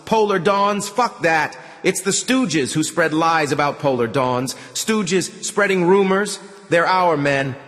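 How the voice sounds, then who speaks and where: A man voicing a wary, cynical wounded prisoner who talks scornfully and haltingly, with groans. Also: on the high side, expressive, fairly bright tone, long reverb tail, voice pushed up.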